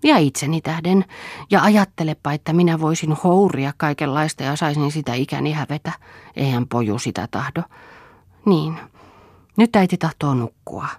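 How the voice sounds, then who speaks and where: A woman's voice: low-pitched, a little mellow, slightly rough, no echo, studio quality. A woman reading the part of an ill young mother in an audiobook, pleading and tender.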